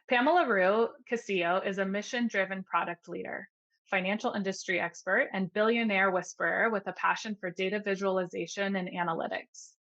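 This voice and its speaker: A woman's voice: mid-range voice, fairly bright tone, highs cut off. A woman hosting a conference session, reading scripted speaker introductions in a formal manner. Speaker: session host.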